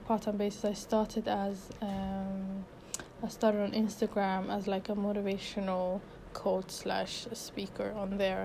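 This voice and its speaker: A woman's voice: medium pitch, dark tone, a little hiss or hum. A woman in her twenties from Sweden, hosting a casual unedited solo podcast as a life coach, chatty and upbeat with many fillers and restarts, a bit out of breath. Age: 20s.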